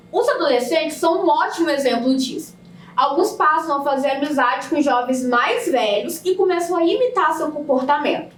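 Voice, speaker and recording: A woman teaches a recorded video lesson. Her voice is high, and she breaks words into syllables at a slow, careful pace. She sounds a little far from the mic in an echoey room. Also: slight background noise. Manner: slow, deliberate syllable-by-syllable explanation.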